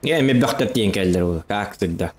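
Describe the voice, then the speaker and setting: Here a male streamer talks to himself through a gameplay session, tossing off casual remarks at a fairly quick clip. His voice is lowish with lively intonation, set against engines and other game noise.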